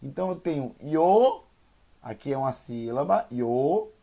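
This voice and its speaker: A man with a Brazilian Portuguese accent teaching beginner Hebrew, sounding out syllables slowly and repeating each word. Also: medium pitch, lively intonation, mellow. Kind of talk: slow beginner language lesson.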